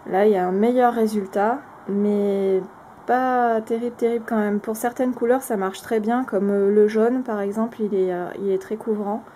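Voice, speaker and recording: A woman's voice: medium pitch, steady tone, normal speed, mellow, slight background noise. A woman casually reviewing craft products on camera, speaking frankly with lots of hesitant filler sounds and restarts. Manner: frank, plainly spoken opinions.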